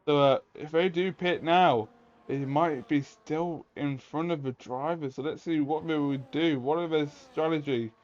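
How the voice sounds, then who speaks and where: A male motorsport commentator calls a race play-by-play in a fairly high, steady, slightly mellow voice, speaking a little slowly. He tracks each move and mixes in rhetorical questions, and the audio sounds slightly dull and lo-fi.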